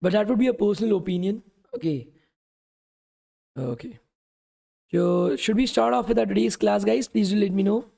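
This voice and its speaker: This young man's voice is high and warm, with vocal fry, a moderate pace, and long pauses, tired after talking all day. He teaches a live-streamed coding class as a bootcamp instructor, chatting casually, answering the chat, and leaning on "okay" and "guys."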